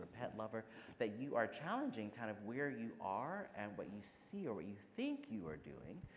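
Light background noise sits under a man's voice. He speaks at a moderate pace with a fairly low pitch. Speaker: cellist and professor; professor. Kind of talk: panel discussion. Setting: stage with audience. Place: stage.

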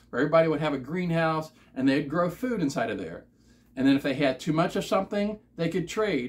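A fairly high-pitched man with an American accent. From Florida. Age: 50s. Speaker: YouTuber, substitute teacher, army veteran. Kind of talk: casual vlog monologue. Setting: home video recording. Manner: halting, many fillers. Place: home room. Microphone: phone near.

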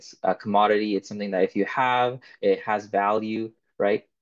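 Speaking at a moderate pace in an unremarkable speaking voice, a man with a fairly low pitch shows ordinary pitch variation over a quiet background. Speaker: presenter. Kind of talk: lecture. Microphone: video call.

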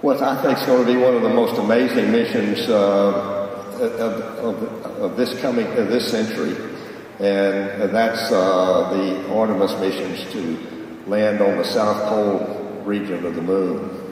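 Speech comes at a fairly slow pace in a room with strong echo. Light background noise is also audible. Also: man, fairly low pitch for a man. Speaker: astronaut. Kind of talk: festival stage talk. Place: hall.

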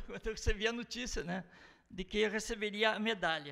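Speaking in a Rio Grande do Sul accent, a man uses a high-pitched, bright, sharp, raised and projected voice at a very fast pace. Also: quiet background. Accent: southern Brazilian Portuguese (gaúcho). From Brazil, Rio Grande do Sul. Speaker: retired teacher and poet; retired teacher, poet. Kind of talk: acceptance speech. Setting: council chamber with audience. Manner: halting. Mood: happy, moved, grateful. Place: hall. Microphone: podium.

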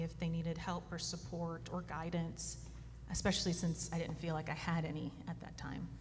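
A woman with an American accent talks at a fairly quick pace. Light background noise can be heard. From US South. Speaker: military veteran. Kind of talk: testimony. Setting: church. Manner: halting. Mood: earnest, emotional, reflective. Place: church. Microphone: handheld.

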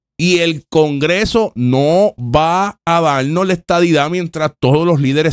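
Against a quiet background, a man talks at a fairly slow pace in an animated tone with ordinary pitch variation. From Puerto Rico. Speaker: political commentary podcaster; livestream host. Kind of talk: reaction commentary on a video, casual. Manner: animated, sarcastic interjections. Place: studio. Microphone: studio mic.

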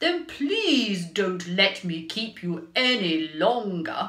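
Using a put-on character voice, a woman talks at a very slow pace with a medium pitch. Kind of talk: children's story read-aloud. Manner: sly, fake-friendly, then snarling.

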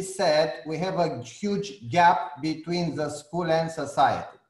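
In a quiet background with audible room echo, a man with a Romanian accent and a high pitch speaks at a very slow pace with fairly even intonation. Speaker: university rector; conference panelist. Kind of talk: panel discussion. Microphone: video call.

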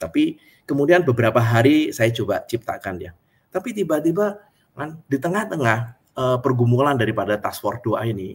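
This man's voice sits at medium pitch and is somewhat breathy. He moves at a fairly quick pace, with big swings in loudness. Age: 60s. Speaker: guest. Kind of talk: testimony interview; testimony talk. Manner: hesitant fillers. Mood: warm, earnest. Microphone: webcam.

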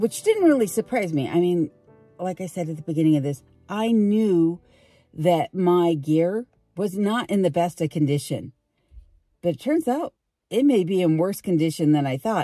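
Faint music plays behind a woman with a fairly low pitch who speaks at a moderate pace with long, frequent pauses, in a dry sound with no echo. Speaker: vlogger. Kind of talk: casual vlog chat. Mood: relaxed, self-deprecating. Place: car.

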